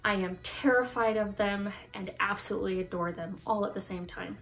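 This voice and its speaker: A young woman from the United States chatting casually to the camera in her vlog, lively and laughing often. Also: mid-range voice, a little fast, rough recording. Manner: chatty, laughs often, animated hand gestures. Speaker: YouTuber. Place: Halloween-decorated room indoors.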